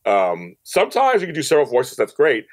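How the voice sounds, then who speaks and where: A man's voice: medium pitch, huge pitch swings, fairly quick. A man talking casually as an interview guest, emphatic, often repeating phrases and acting out quotes. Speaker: podcast guest, audio drama producer and director.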